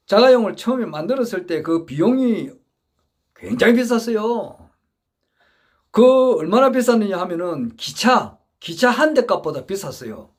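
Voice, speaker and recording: A man's voice: sits high, a little mellow. A man giving an earnest monologue lecture, emphatic and repetitive, often restarting his phrases as he builds his point. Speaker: political supporter giving a talk.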